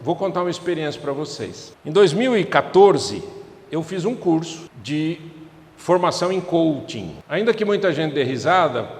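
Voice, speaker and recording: A man's voice: on the high side, big pitch swings, normal speed. A man with a Brazilian Portuguese accent preaching a sermon in a conversational way, often putting questions to the congregation. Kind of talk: church sermon. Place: church hall. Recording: echoey church hall with long reverb.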